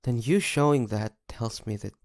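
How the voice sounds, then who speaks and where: A man playing an earnest, emotional young hunter in an audio drama, speaking haltingly with stammers. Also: medium pitch, a little mellow, no echo, clean studio sound, lightly acted. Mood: emotional, apologetic. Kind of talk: dramatic audio roleplay acting.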